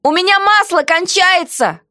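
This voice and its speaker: A woman's voice: very high-pitched, expressive, unhurried, pushed and bright, voice pushed up, full character voice. A woman voicing a defiant, cheeky female prisoner who answers with mocking, sassy retorts.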